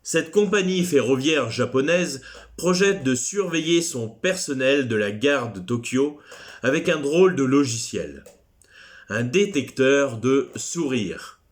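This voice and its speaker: A man teaching a recorded French class lesson, chatty and digressive, with self-deprecating asides. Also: mid-range voice.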